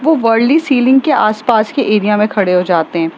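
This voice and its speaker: A woman's voice: medium pitch, lively intonation, moderate pace, darkish tone, dull audio, slight background noise. Woman casually telling a love story. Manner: conversational, with fillers and self-corrections.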